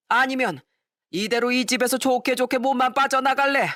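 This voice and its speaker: Lady reading as an angry old dad-in-law yelling at his family, dry close voice. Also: a little high, dry recording, voice pushed up, close to an everyday voice. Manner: shouting angrily, then sobbing. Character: remorseful old father-in-law, furious then weeping.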